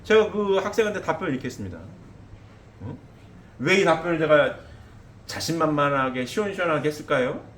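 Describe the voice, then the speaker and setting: A man's voice: a little high, expressive, fairly quick, long pauses, a bit bright. A middle-aged man preaching a sermon emphatically, often asking his congregation questions and tagging "eh?". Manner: emphatic, asks the congregation questions, frequent "eh?" tags. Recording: echoey hall with faint ambience.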